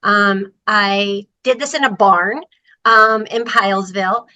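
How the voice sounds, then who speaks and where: A woman's voice: mid-range voice, fairly even intonation, slow pace, pushed and bright. A woman from Maryland, a podcast guest on a video call, talking in an enthusiastic, chatty way with fillers. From Maryland, USA. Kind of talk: casual interview chat. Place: video call from Costa Rica.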